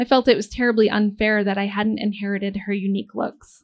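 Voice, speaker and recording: A woman talks at a fairly quick pace in an ordinary speaking voice, pitched in the medium range. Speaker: memoir writer. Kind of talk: reading aloud. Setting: bar event with live audience.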